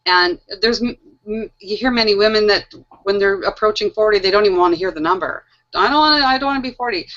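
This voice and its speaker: A middle-aged woman hosting a casual panel discussion, animated and laughing often, repeating phrases for emphasis. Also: mid-range voice. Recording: muffled lo-fi audio.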